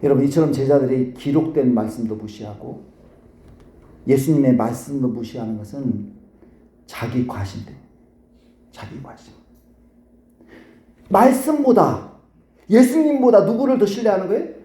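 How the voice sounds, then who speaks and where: Male pastor, Sunday sermon, lively swinging delivery, mellow tone, church echo. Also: mid-range voice, normal speed, long pauses. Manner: emphatic, repeats key phrases, asks the congregation questions. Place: church sanctuary. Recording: echoey church sanctuary.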